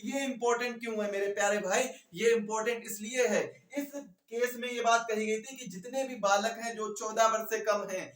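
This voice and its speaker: A man's voice: high voice, fairly even intonation, normal speed, hardly any pauses, fairly bright tone. A man giving an explanatory exam lecture, repeating key phrases and putting questions to his students. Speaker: exam coaching teacher. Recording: echoey room, distant mic.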